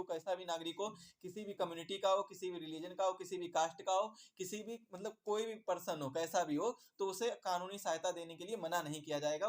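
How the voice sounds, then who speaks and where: A man teaching an exam prep lesson. He repeats his points, asks questions and answers them himself, and calls viewers "my dear brother". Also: high voice.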